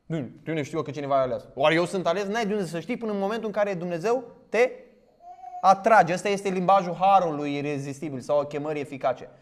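A man with a high-pitched voice preaches a sermon. He is emphatic, fires off rhetorical questions and reads scripture out loudly.

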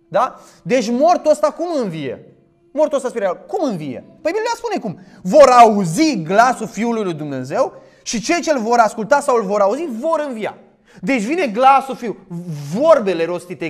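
A man with a high-pitched voice preaches a sermon. He is emphatic, fires off rhetorical questions and reads scripture out loudly.

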